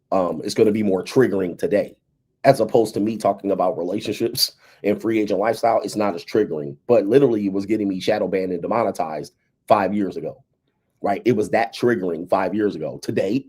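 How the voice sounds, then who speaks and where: A man of fifty talking in a loose, emphatic commentary style, leaning on "right?" and "okay" to drive each point home. His voice sits low and dark, with a husky edge. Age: 50s. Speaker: relationship and dating commentator. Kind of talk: casual livestream commentary.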